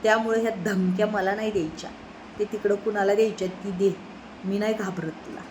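A woman's voice: medium pitch, fairly even intonation, fairly quick, background noise. A woman delivers a defiant, scolding monologue straight to the camera. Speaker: social media creator.

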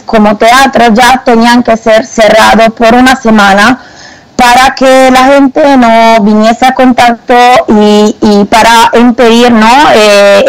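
Woman, Italian accent, Italian native, slow, smooth clear voice, hesitant, frequent fillers. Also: a little high, low-quality recording. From Italy. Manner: hesitant, many fillers and restarts. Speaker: guest. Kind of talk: phone-in interview testimony.

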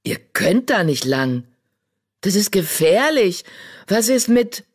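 A narrator voicing Charlie, an old tomcat in an audiobook, with a croaky voice. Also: mid-range voice, very animated, slow pace, voice pushed up. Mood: startled.

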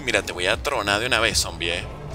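A Venezuelan gaming streamer, nineteen, fields chat questions with joking sarcasm in casual livestream commentary. He speaks quickly in a fairly low voice, with music in the background.

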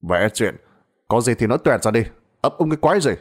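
A man's voice: medium pitch, lively intonation, quick pace. A man voicing a harsh middle-aged farmer father who barks and curses at his family. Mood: gruff. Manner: shouting, cursing, gruff.

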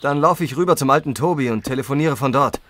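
A man's voice: mid-range voice, quick pace, a bit bright, slight background noise, lightly acted. An actor playing an agitated teenage boy, the son of a family, speaking urgently in an audio drama. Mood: concerned. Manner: urgent, alarmed. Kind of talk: German audio drama acting.

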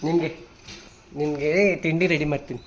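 A trans woman vlogger talks casually while walking outdoors on a hill, teasing and bossing her viewers loudly. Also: deep voice, level tone, normal speed, slight background noise. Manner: loud, teasing and bossy, scolding the viewers playfully. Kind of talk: casual vlog. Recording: roomy echo.

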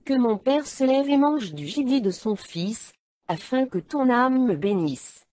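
A woman reading the lines of a bitter elder son, a hunter, in a calm, measured way. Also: fairly high pitch, pitched above the performer's own voice.

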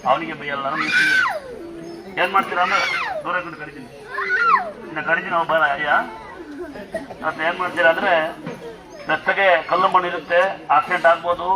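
Fast-talking Kannada temple priest. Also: male voice, high-pitched, wildly swooping pitch, heavy background noise. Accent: Kannada, Karnataka. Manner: fast, forceful, instructing devotees. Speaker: temple priest addressing devotees. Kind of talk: loud public address to devotees. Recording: loud crowd behind.

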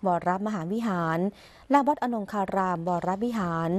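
A woman reading the royal court news in a measured, formal and even voice as a scripted broadcast voice-over. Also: mid-range voice. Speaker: news reader.

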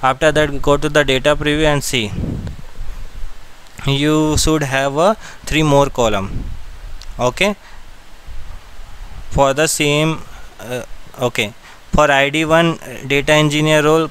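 A man with an Indian accent guides a learner through software one step at a time. His voice is smooth and clear, and he gives short, repeated instructions as he goes. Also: fairly high pitch, steady tone, unhurried, long pauses, rough recording. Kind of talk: step-by-step screen-recording tutorial narration.

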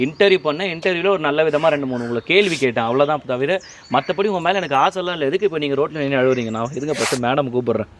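A male TV anchor rattles off his lines at a very fast clip. He sounds flustered and exasperated and keeps pleading his way out of a staged comic scene outdoors. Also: fairly high pitch, a little hiss or hum. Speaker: TV anchor, interviewer. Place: outdoors on a road.

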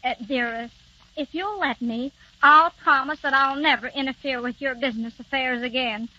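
A flighty, eager-to-please young wife in an old 1930s radio drama. Her voice is high and bright, and the broadcast sound is muffled and lo-fi. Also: normal speed, dry recording. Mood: contrite. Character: scatterbrained, well-meaning young wife.

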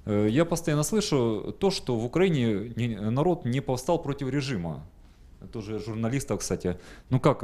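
Low, mellow man asking from the floor. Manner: halting, insistent. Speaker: audience member asking a question. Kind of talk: question from the floor. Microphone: handheld mic.

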